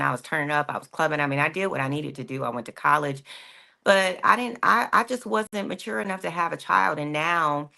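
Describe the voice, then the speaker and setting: A woman in her forties on a talk panel, frank and lively, joking about herself. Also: low voice, vocal fry. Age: 40s. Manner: frank, lively, self-deprecating. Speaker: guest panelist. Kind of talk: casual chat.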